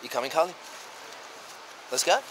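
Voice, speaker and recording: Man, 30s, casual travel vlog, outdoors, camera at arm's length, chatty and candid, clear background noise. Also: on the high side, normal speed. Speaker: travel vlogger. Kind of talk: casual walking tour vlog. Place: outdoors on a coastal bush path and beach. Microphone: camera held at arm's length.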